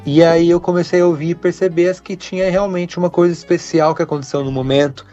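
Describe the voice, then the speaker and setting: A young man, a guitarist talking in a relaxed, rambling way as an interview guest. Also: on the high side, fast talker, highs cut off, soft background music. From Brazil. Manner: relaxed, rambling, many fillers like "né". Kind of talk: casual interview chat.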